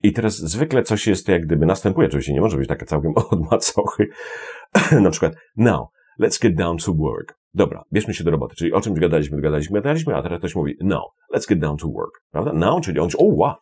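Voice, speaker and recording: Super low voiced guy, kinda husky, teaching english phrases, repeats himself a lot, lots of ums. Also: brisk. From Poland. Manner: lively, repeats words, explains with many fillers. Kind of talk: online language lesson explaining phrases.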